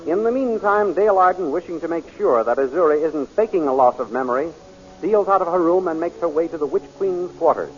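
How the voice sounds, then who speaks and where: A man's voice: a little high, expressive, a little fast, faint music behind. A man narrating a 1930s radio serial in a formal, dramatic announcer's style. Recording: muffled 1930s radio recording.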